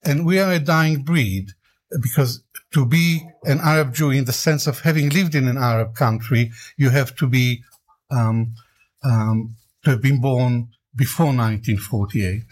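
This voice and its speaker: An older man from Iraq, an author giving reflective interview answers in a measured, deliberate way and building his points into emphatic lists. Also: medium pitch.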